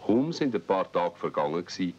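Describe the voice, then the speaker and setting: A man's voice: low-pitched, big pitch swings, normal speed, darkish tone, husky. A man with a Swiss German accent narrating a scripted radio play as a storyteller in dialect. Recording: dull 1970s radio-play recording.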